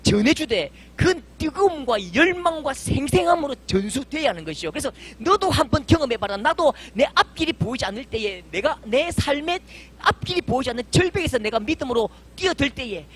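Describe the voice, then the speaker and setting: A man's voice: very high voice, very animated, brisk, hardly any pauses. A middle-aged male pastor, preaching a fervent, emphatic sermon full of vivid stories.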